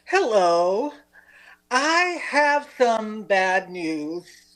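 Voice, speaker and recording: A woman playing a hesitant, apologetic teacher with bad news in an improvised comedy scene, speaking haltingly. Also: on the high side, lively intonation. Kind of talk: improvised comedy stage acting.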